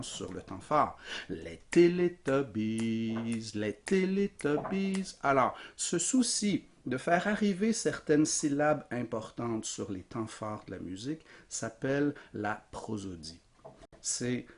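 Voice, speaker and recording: A man giving a recorded music theory lecture, explaining patiently with frequent fillers. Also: mid-range voice. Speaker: music teacher.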